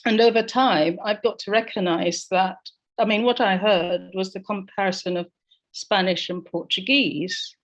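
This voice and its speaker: Woman, Jamaican, mid-pitched, reflective, muffled call audio. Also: fairly even intonation, moderate pace. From London, England. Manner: reflective, personal storytelling. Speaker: panelist. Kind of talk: online panel discussion.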